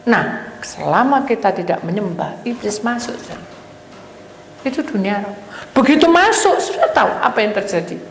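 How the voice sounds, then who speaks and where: A woman's voice: medium pitch, animated, moderate pace, a little hiss or hum. A woman pastor giving a sermon testimony as dramatic storytelling, acting out the voices she quotes. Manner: dramatic storytelling, acts out quoted voices, addresses congregation as "saudara". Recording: echoey hall with long reverb, faint ambience.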